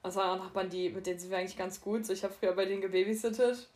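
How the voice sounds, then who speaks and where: A young woman co-hosting a podcast, animated and often laughing as she tells a story in casual chat. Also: medium pitch. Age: young adult. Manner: animated, laughing, quick bursts. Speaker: podcast co-host.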